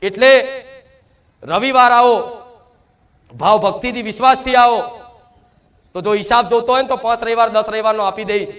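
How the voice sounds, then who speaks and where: A man's voice: very high-pitched, moderate pace, long pauses, a bit bright. A man. He speaks in the first person as a divine mother figure and addresses devotees directly. His delivery is emphatic and full of rhetorical questions. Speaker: spiritual medium speaking as the goddess to devotees. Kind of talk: devotional sermon.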